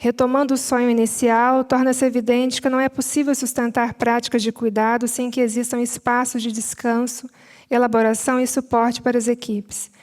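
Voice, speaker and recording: A Brazilian Portuguese-accented woman at a seminar panel, reading a prepared summary in a measured way with spoken asides. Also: fairly high pitch, little pitch movement, a little mellow. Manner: measured, mixes read text with spoken asides and fillers.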